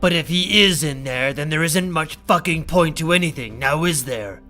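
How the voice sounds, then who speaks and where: A man's voice: a little high, normal speed, pushed and bright, faint music behind. A man playing a blunt, sardonic leader in a crisis in an audio drama. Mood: defiant, bitter. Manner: curt, sardonic, commanding. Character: blunt, profane man taking charge in a crisis.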